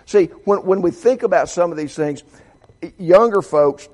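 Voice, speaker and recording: A man's voice: sits high, lively intonation, normal speed, a little mellow. A man of seventy preaching a sermon, reading quotations aloud and often stumbling and restarting his sentences. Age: 70s. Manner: reads quotes aloud, frequent stammered restarts. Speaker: pastor.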